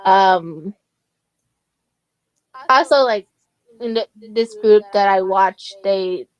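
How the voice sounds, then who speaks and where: A woman's voice: medium pitch, drawn-out words, clean tone, low-quality recording. A woman with an Asian American accent chats casually as a guest. She rambles, restarts her sentences and often breaks into small giggles. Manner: rambling, hesitant, many ums, giggly. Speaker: podcast guest. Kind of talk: casual chat.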